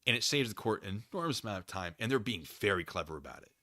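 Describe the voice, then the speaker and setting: An American man hosting a casual livestream, rambling through commentary and chat comments in an animated, digressive way and often losing his thread. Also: fairly low pitch, fast, dry recording, clean studio sound. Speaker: livestream host.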